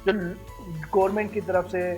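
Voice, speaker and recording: A man's voice: sits high, level tone, a little mellow, highs cut off, faint music behind. A man co-hosting a comedy talk show, earnestly questioning a guest and addressing viewers. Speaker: co-host. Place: TV studio.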